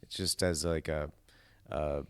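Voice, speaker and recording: Casting: male actor as podcast guest, deep voice, self-mocking banter, dry recording. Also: steady tone, a little slow, a bit bright, clear, resonant tone, no room sound. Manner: self-deprecating, joking. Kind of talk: casual chat.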